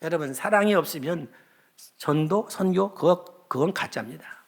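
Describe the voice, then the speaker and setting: A man's voice: on the high side, normal speed, gravelly. A man preaching a sermon, telling a personal story and building to fervent exhortation. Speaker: pastor.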